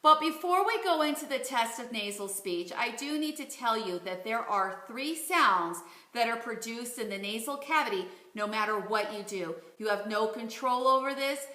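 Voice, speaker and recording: A woman speech coach teaching a video lesson, demonstrating practice words slowly and clearly. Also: on the high side, lively intonation, sharp tone, roomy sound.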